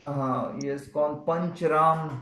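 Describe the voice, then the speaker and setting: A man's voice: a little high, fairly even intonation, slow, crowd noise. A man coaching real estate agents on a video call, urging them on and repeating his points in short bursts. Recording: echoey and distant from the mic.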